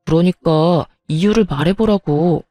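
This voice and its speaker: A woman's voice: on the low side, a little slow, mellow, no echo, faint music behind, voice pushed down, lightly acted. A woman voicing an angry husband who confronts his mother with reproachful questions. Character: husband, angry middle-aged man.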